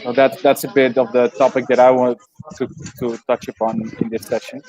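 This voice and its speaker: A man from the Netherlands, a guest speaker talking over a video call from a village cafe, halting with restarts. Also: medium pitch, level tone, a little mellow, low-quality recording. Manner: halting, many restarts and fillers. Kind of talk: casual video call chat. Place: cafe in a small mountain village.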